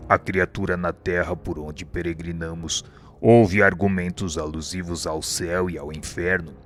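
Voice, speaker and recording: A man's voice: sits low, fairly even intonation, faint music behind, natural voice. A Brazilian man voicing a grave, wise spirit mentor in a radio drama, teaching patiently and solemnly. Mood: grave, instructive. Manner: didactic, solemn, deliberate.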